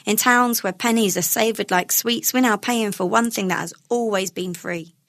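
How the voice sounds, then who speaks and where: A woman's voice: mid-range voice, moderate pace, a bit bright, no room sound, clean studio sound. A young woman performing rhyming spoken word poetry in an emphatic, indignant, cadenced delivery.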